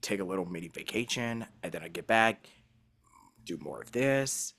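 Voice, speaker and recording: Casual man with a lively, swinging pitch. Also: moderate pace. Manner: rambling, self-interrupting, laughs easily. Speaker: voice actor and show host. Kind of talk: casual chat.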